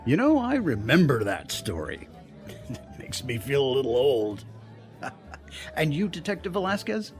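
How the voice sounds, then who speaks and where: A genteel older senator in an audio drama. He speaks with polished courtesy and sweeping intonation at a middle pitch, with faint music behind. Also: huge pitch swings, measured pace, pauses often. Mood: amused. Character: genteel older male senator, gracious dinner host.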